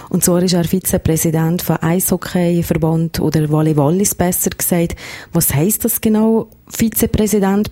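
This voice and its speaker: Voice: mid-range voice, mellow. A radio show host interviewing a guest in the studio in a chatty, joking way.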